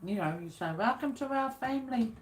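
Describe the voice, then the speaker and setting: A woman, chatting at a family dinner table and gently prompting a child what to say. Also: fairly high pitch, lively intonation, brisk. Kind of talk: casual family chat. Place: home dinner table, indoors. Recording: roomy, distant, noisy home video.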